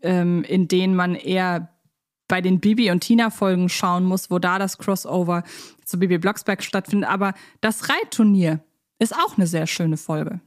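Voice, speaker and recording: A woman's voice: on the low side, moderate pace. A woman co-hosting a casual fan podcast, chatting in long, rambling asides. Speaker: podcast co-host.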